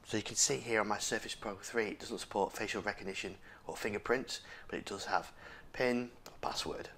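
A man's voice: fairly low pitch, fairly quick, a bit bright. A man with a scratchy, sore voice, casually hosting a tech walkthrough with frequent fillers and restarts. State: hoarse, sore throat. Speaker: tech video host. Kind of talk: casual screen-recorded walkthrough.

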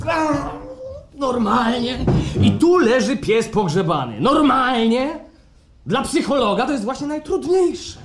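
Theatrical, wildly expressive psychologist. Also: male voice, very high voice, full character voice. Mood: excited, theatrical. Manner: theatrical, insinuating, swinging from soft to excited. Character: smooth, probing male psychologist, theatrical and coaxing. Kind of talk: radio play acting before a live audience. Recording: live stage recording with background noise.

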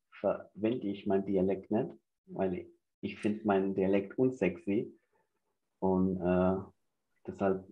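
Slow, halting man on a headset. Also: low-pitched, lo-fi sound. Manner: halting, many fillers and restarts. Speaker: podcast host. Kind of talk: casual interview over video call. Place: indoors, in front of a banner backdrop. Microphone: headset on a video call.

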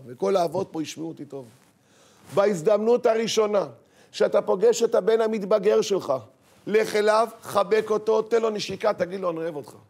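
A man lecturing parents as a rabbi, dramatic, acting out scolding voices and swinging from loud to hushed. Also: fairly high pitch, breathy edge. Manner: dramatic, acts out scolding parents and teens, shifts from shouting to hushed. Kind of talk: sermon.

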